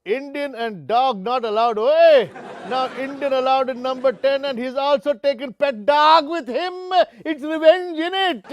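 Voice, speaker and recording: A man's voice: very high-pitched, unhurried, lo-fi sound, pitched above the performer's own voice. A man voicing a brash, cheeky British Punjabi man with a mock British Punjabi accent, bantering in slang. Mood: cocky. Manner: cocky slangy banter with "innit" and "mate". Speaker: comedy interview guest. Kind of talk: sketch comedy.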